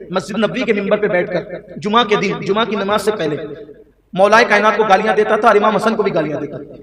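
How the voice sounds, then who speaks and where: Male preacher, high voice, impassioned, rhetorical, repeats phrases, distant mic, echoey mosque hall, congregation audible. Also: a bit bright. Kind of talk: sermon.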